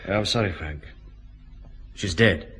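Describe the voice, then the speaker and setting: An actor with a Scottish accent playing a brisk, firm police chief inspector who asks short, pointed questions in a radio drama. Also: male voice, low-pitched, a bit bright, husky, full character voice. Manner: terse, questioning.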